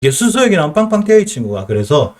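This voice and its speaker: Animated man with Chungcheong accent. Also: on the high side, racing. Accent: Chungcheong Korean. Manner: lively, explanatory, asks and answers his own questions. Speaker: stock market streamer. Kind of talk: live-stream stock chart lesson.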